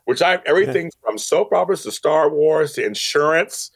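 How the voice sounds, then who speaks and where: A man's voice: fairly high pitch, brisk, breathy edge, no echo. A middle-aged man talking casually and animatedly as a talkative podcast guest who readily plugs his own work. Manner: animated, talkative, self-promoting. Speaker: podcast guest, online media network owner. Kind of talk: casual chat.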